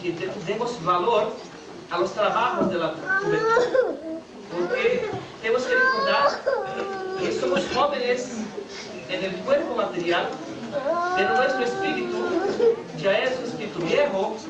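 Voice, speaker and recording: A man's voice: very high-pitched, huge pitch swings, unhurried, long pauses. A Brazilian man speaking Spanish as a second language, answering earnestly as a radio interview guest, with some hesitant restarts. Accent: Brazilian Portuguese. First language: Portuguese. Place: school hall during an anniversary event. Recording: echoey room from far off, loud noise.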